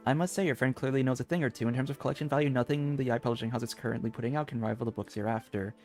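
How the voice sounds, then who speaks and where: A man doing live game-stream commentary, excitable and chatty with viewers, sometimes reading dialogue aloud. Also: medium pitch, rapid-fire, soft background music.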